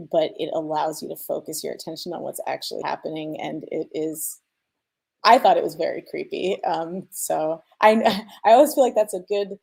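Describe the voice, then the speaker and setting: Woman, lowish pitch, very creaky fry, casual panel chat, informal, enthusiastic sound designer. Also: a little mellow. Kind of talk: casual conference panel talk.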